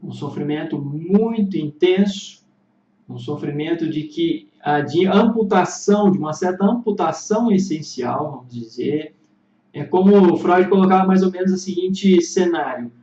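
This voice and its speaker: A man's voice: fairly high pitch, moderate pace, dark tone. A man speaking as a psychotherapist in a reflective explanatory monologue, thoughtful and searching for words with frequent restarts. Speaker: psychotherapist vlogger. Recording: roomy, dull lo-fi sound.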